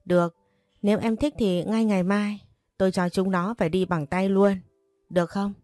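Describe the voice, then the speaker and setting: A man's voice: high voice, steady tone, normal speed, darkish tone, dry recording, soft background music, lightly acted. A woman reading the part of a teasing, possessive young master of the house, in a storybook. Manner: teasing and bossy.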